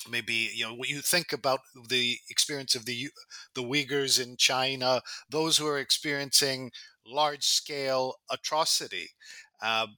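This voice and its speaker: A man's voice: medium pitch, pushed and bright, dry recording. A man interviewing a guest in a considered, academic way, building long and carefully qualified questions.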